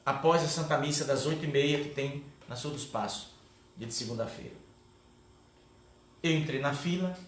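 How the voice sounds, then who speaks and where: Man telling a story in an echoey room. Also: a little high. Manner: animated storyteller, often tags lines with "né?". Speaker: guest speaker at a catechesis. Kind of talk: first-person testimony storytelling. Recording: echoey room with faint background noise.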